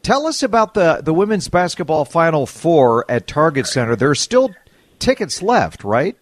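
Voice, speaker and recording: A man hosting a radio show, talking casually in halting, drawn-out phrases. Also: a little high, big pitch swings, no echo, studio quality. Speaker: radio host.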